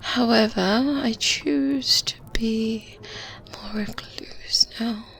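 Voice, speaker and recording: A woman playing a kindly, wise older witch in a softly spoken, whispered ASMR roleplay, with gentle, pensive pauses. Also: a little high, steady tone, exaggerated voice, poor audio. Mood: pensive, secretive. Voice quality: soft, breathy, mostly whispered. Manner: unhurried, gentle, pensive, with murmured hums and pauses. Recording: faint ambient noise bed. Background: medieval ambience sounds.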